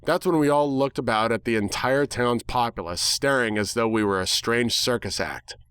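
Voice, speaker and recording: A man reading a first-person story as narrator in a wry, deadpan manner. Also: medium pitch, moderate pace, clear, resonant tone, dry recording, studio quality. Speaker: narrator, dramatic reader.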